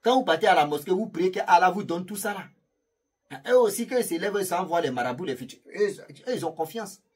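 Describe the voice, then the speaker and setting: A man's voice: high-pitched, lively intonation, fairly quick, husky. A man casually telling a story to his viewers, chatty and rambling, laughing at his own jokes and speaking to the audience directly. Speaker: YouTube storyteller.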